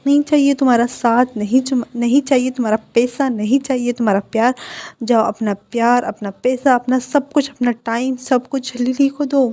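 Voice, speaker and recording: A woman voicing an angry, heartbroken young man who shouts bitterly and then pleads, in a storybook fan fiction reading. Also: a little high, steady tone, moderate pace, close to an everyday voice.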